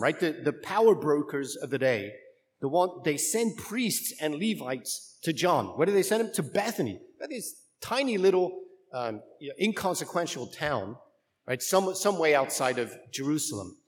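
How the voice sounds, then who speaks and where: A man's voice: on the high side, expressive, normal speed. A man speaking as a Catholic priest, delivering scripture and preaching to a congregation in church. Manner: jokey, rambling, conversational asides to the congregation. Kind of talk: Gospel reading and informal homily.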